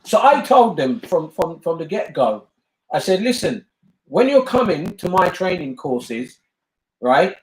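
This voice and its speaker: Fairly high in pitch, with big swings and a measured pace, the voice belongs to an older British man who is a bishop and hosts family talks. He speaks earnestly and emphatically in a casual family discussion, often repeating himself for emphasis. The recording is reverberant and low in quality.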